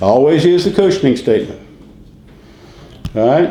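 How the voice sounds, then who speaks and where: In a space with audible room echo, a man talks with lively intonation at a moderate pace. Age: 80s+. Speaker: real estate sales trainer. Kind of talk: training class lecture. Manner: conversational, repetitive.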